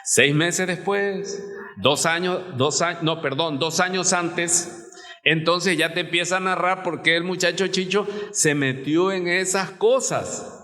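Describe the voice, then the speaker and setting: A man with a Mexican accent, a pastor, preaches an animated sermon to his congregation, acting out quoted voices and putting questions to the listeners. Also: sits high, slow pace. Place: church sanctuary. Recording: live recording in a reverberant church.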